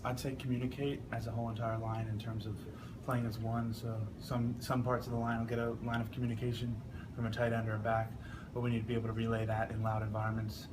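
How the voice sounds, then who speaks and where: Flat-toned young male athlete, noisy background. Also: mid-range voice, fast talker. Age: young adult. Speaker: football offensive lineman being interviewed. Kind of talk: press scrum interview answers. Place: media scrum with ambient noise. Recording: clearly noisy ambient background.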